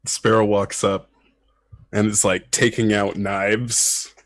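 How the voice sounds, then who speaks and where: Male player, low and slow, easygoing jokes, dry sound. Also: little pitch movement, dry recording. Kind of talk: casual tabletop role-play.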